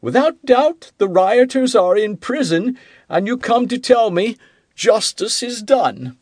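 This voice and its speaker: A man voicing a fretful, self-pitying king who turns irritable and accusing, with a high, whiny, petulant voice in an audiobook. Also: very animated, slow pace, a little mellow, no echo, heavily acted. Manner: rising into indignant outbursts. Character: fretful, self-pitying middle-aged king, quick to anger. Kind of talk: audiobook character reading.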